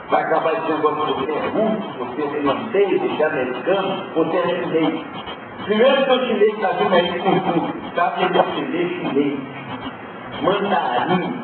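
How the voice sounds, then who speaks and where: A man's voice: high voice, very noisy. Provocative male lecturer in an echoey hall. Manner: provocative, emphatic, rhetorical questions. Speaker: teacher. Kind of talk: spiritual lecture to a class. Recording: distant, phone-like, echoey hall recording with loud ambience.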